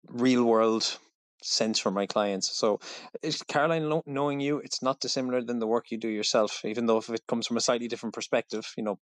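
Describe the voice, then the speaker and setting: A man's voice: lowish voice, no room sound. An Irish man, a fitness coach, answering interview questions thoughtfully, with frequent restarts and asides. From Ireland. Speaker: fitness coach, podcast guest.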